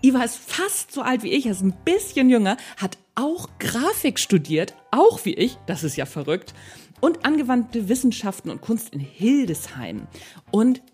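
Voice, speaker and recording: A woman's voice: on the high side, sing-song, moderate pace, darkish tone, breathy edge, faint music behind. A woman hosting a podcast, talking in an enthusiastic, informal way as she introduces and interviews.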